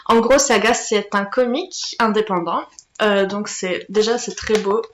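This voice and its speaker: A woman's voice: mid-range voice, unhurried. A woman hosting a casual book review vlog, chatty and hesitant with many fillers and restarts. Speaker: booktuber. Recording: echoey room.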